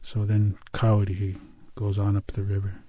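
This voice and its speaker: An older man from the US Pacific Northwest telling a folk tale and talking about old recordings, in a halting, unhurried way with many pauses and fillers. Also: on the low side, monotone, dark tone, no echo. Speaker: storyteller. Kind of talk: oral storytelling and interview.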